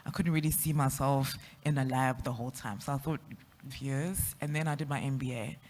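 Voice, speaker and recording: A woman with a South African accent, an outgoing panelist sharing her career journey with quick laughs. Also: a bass voice. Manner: extroverted, lively, quick to laugh. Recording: echoey hall.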